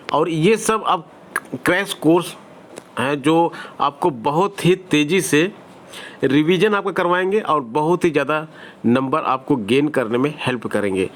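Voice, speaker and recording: A man with a Hindi accent giving exam-preparation advice to students in a direct, conversational teaching style with everyday examples. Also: fairly high pitch. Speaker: online exam-prep teacher.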